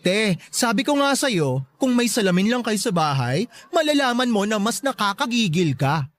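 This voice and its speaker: A woman playing a sassy, sharp-tongued gay best friend in a Filipino radio drama, catty and taunting with a Filipino accent. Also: mid-range voice, very animated, moderate pace, natural voice.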